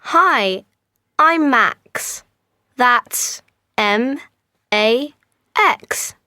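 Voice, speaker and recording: A woman speaking scripted textbook dialogue slowly and carefully. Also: on the high side, animated, bright, forceful tone, no room sound, clean studio sound. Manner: slow, careful speech.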